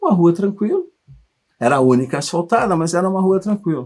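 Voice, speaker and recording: A man speaks with very wide pitch swings. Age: 70s. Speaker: civil engineer and construction business owner. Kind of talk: casual interview.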